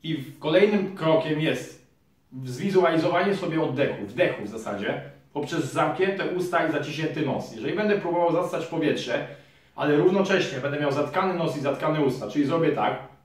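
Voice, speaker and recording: A Polish physiotherapist and trainer in his thirties calmly explains a fitness exercise, addressing viewers directly from a small room in front of a curtain. His voice is fairly high at a moderate pace, captured by a camera mic from across the room. The room is very echoey, so he sounds far away.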